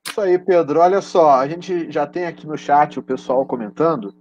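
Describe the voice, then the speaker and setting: A man's voice: a little high, moderate pace, a little mellow. A Brazilian man hosting a casual educational live stream, speaking hesitantly and often restarting his words. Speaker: host and teacher. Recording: dull, lo-fi online stream audio.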